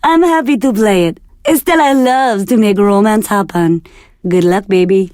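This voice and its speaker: A woman playing a sultry, flirtatious Latina radio DJ from Argentina in a video game, with breathy, teasing delivery. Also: mid-range voice, moderate pace, a little mellow, no room sound, clean studio sound, close to an everyday voice. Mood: flirty. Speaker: radio DJ host.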